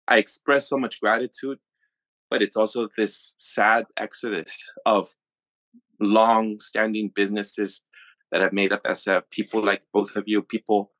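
Male host, earnest reflective storyteller, low voice, dry sound. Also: a bit bright, no room sound. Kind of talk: casual podcast chat. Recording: dry close mic.

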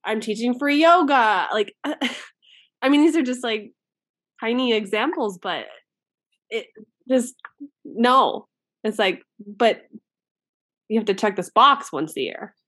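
A woman co-hosting a casual chat, telling stories in an animated way with lots of "like" and quick asides. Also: on the high side, no echo. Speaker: podcast co-host.

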